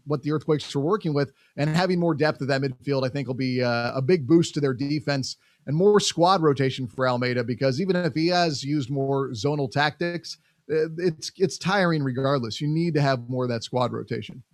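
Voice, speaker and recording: A young man co-hosting a casual soccer chat, animated, with lots of fillers and acted-out quotes. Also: mid-range voice, a little fast, no room sound. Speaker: podcast co-host covering soccer.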